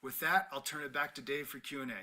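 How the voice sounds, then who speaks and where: A man's voice: medium pitch, fairly even intonation, fast talker, bright, forceful tone. A man speaking as a finance executive on an earnings call, giving financial remarks and answering questions.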